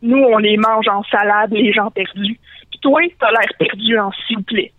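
A menacing cave creature with a hacking, croaking cough, voiced by a woman with a Quebec French accent. It is paranoid and slangy, and it threatens to eat whoever it meets. The sound comes through a tinny, dry phone line. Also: medium pitch, steady tone, normal speed, no echo, close to an everyday voice. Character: menacing conspiracy-crazed cave creature, Gollum-like.

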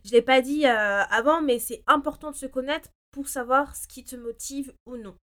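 High-voiced woman in casual motivational talk. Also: moderate pace, fairly bright tone. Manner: mixes English phrases into speech. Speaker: personal development podcast host. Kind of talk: casual motivational monologue, informal address to listeners.

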